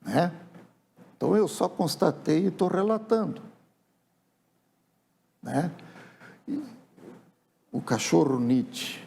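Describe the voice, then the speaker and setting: A man's voice: fairly high pitch, lively intonation, slow, gravelly, long pauses, darkish tone, husky. A man, a writer telling stories reflectively in a casual TV interview. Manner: reflective, with frequent tag questions. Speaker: writer and guest. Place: TV studio.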